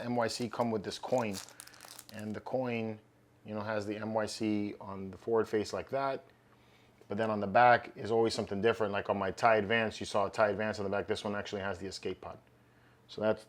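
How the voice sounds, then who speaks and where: A man hosting a collectibles channel, chatting casually through an unboxing while his voice is going hoarse. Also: lowish voice. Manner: upbeat, loose and chatty with fillers. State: losing his voice, slightly hoarse.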